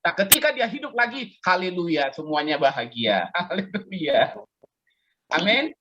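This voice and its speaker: A man's voice: sits high, big pitch swings, a little slow, muffled recording, noisy background. A man in his fifties, a pastor, giving a chatty, conversational sermon over a video call and drawing amens from his listeners. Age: 50s. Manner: conversational, chatty preaching with audience call-and-response.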